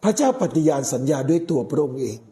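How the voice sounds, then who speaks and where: Casting: middle-aged male priest, very dark mellow tone, unhurried sermon delivery with pauses. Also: fairly high pitch, sing-song. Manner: measured, with frequent pauses. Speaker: Catholic priest.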